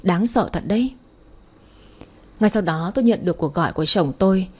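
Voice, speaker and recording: A woman telling a first-person family story in calm narration. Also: on the low side, fairly quick, breathy edge.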